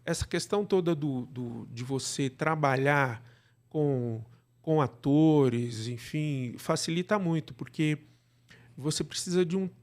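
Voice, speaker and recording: A man with a Brazilian accent answering interview questions conversationally, explaining in a halting way and often checking with the listener. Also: on the high side. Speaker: podcast guest, radio drama producer.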